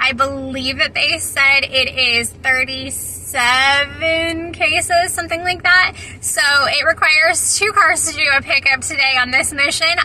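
A raised, projected voice with ordinary pitch variation moves at a fairly slow pace over light background noise. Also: woman. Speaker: vlogger. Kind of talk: casual vlog chat. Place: car. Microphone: phone near.

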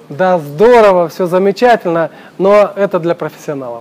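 Moderate pace and ordinary pitch variation from a man with a high voice. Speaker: endurance sports coach. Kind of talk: public talk to an audience. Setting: lecture hall with audience. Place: hall. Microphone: handheld.

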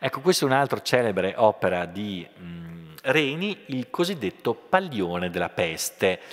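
Against a quiet background, a man with a fairly low pitch talks at a fairly slow pace, his pitch swinging very widely and his loudness shifting a lot. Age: 40s. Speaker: art history lecturer. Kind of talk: lecture. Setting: lecture hall with audience. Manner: halting, many fillers. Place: hall.

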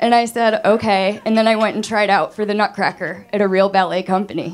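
Someone with an American accent talks at a moderate pace. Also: woman. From rural western New York. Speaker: stand-up comedian. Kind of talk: stand-up comedy set. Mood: self-deprecating, wry. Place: stage. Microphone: handheld.

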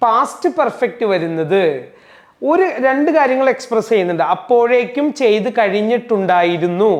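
Lively intonation over a quiet background. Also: man, extremely high pitch for a man. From Kerala. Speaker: spoken English teacher. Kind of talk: tutorial. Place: classroom. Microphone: lapel.

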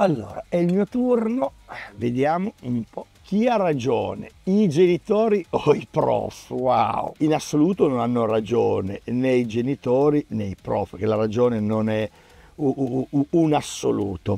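The voice has a dark, mellow tone and very wide pitch swings, moving at a very slow pace in a dry sound with no echo. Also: man. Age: 50s. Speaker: high school teacher; teacher in a debate. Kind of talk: discussion of opinions. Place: studio. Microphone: lapel.

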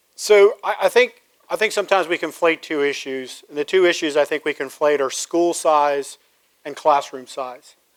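The man's fairly high voice moves at a moderate pace with ordinary pitch variation, in dry, close sound with no echo. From Houston, Texas, US. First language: Spanish. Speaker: school board candidate. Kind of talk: political debate. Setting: high school debate with audience. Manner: halting, many repeats.

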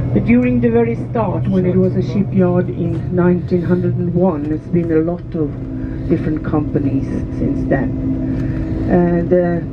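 Music plays in the background as a woman speaks at a fairly slow pace. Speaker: tour guide. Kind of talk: commentary. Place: bus.

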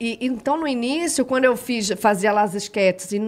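Lively intonation marks this woman's fairly high voice. She has an unremarkable speaking voice. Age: 30s. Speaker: comedian. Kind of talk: casual chat. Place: studio. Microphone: studio mic.

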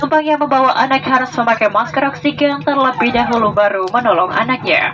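Over faint music in the background, a woman talks at a very fast pace. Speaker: flight attendant announcer. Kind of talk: safety announcement. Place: plane.

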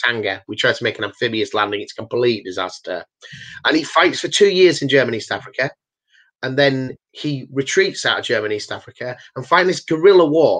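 In a British accent, a man speaks with a bright, sharp tone and very wide pitch swings against a quiet background. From England. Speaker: wargaming YouTuber; guest hobby channel host. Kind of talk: casual interview chat. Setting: video call. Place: home room. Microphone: video call.

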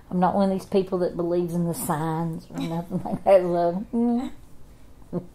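A woman with an Appalachian accent speaks at a moderate pace with hardly any pauses. Her fairly low voice has a dark, mellow tone. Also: ordinary pitch variation. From East Tennessee. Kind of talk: interview answer.

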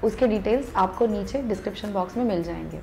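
Faint music plays behind a woman speaking at a moderate pace. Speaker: presenter. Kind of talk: tutorial. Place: home room.

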